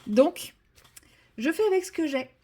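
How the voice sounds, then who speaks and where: A chatty woman talks her way through a painting session, stopping and restarting her thoughts with plenty of filler words. Her voice is mellow and warm, never sharp. She keeps a casual, self-mocking tone. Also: high-pitched, animated, a little slow. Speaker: vlogger. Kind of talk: casual chat while painting.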